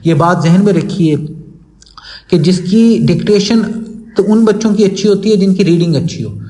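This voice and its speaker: Man with a Pakistani accent giving a slow lesson. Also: a little high, dark tone, low-quality recording. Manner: slow, deliberate when reading English lines aloud. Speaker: teacher trainer. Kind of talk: lecture to teachers.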